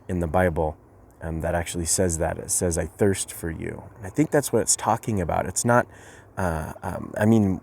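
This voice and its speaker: A man's voice: deep voice, a little mellow, a little hiss or hum. A man giving a casual youth message as a pastor, speaking hesitantly with many fillers and restarts. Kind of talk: informal youth sermon with a story.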